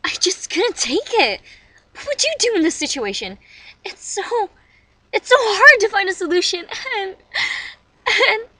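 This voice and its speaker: A dramatic young anime girl, acted by a woman, delivers intense audition lines. Her voice is very high and sharp, swinging widely with theatrical emotion. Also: big pitch swings, measured pace, pauses often, no room sound, heavily acted. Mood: distraught.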